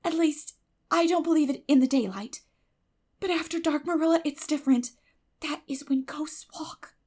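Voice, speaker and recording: A woman's voice: high voice, normal speed, a little mellow, pitched above the performer's own voice, lightly acted. A woman voicing a terrified, imaginative little girl in a dramatic audiobook, breathless and melodramatic, with gasps and whispers. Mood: earnest, spooky. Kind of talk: dramatic audiobook character acting.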